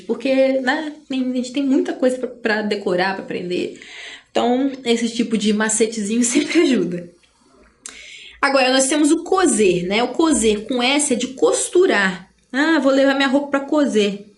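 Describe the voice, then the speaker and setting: A woman's voice: high voice, lively intonation. A Brazilian Portuguese-speaking woman teaching an online grammar lesson in a chatty way, often tagging "né?" and drawing out example words. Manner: chatty, tags phrases with "né?"; drawls out example words slowly.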